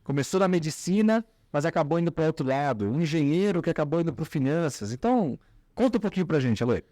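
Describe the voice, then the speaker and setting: A man hosts the conversation and steers it with lively, leading questions. His voice sits a little higher than most men's and sounds dry and close to the mic. He keeps the talk moving along. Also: fast, dry recording. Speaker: podcast host. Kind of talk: interview questions.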